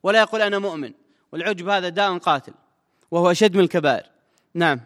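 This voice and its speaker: A sheikh comments on a religious text with quick, emphatic colloquial speech. His voice sits high and bright. A long hall reverb trails his words.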